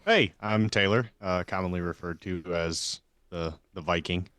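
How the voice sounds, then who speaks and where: A man's voice: sits low, normal speed, a bit bright, smooth, no room sound, clean studio sound. A man talking casually as a player on a tabletop game podcast. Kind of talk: casual chat.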